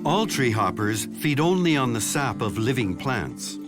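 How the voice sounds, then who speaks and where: A man delivering scripted nature documentary narration in a measured, explanatory way. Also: medium pitch, sing-song, over music.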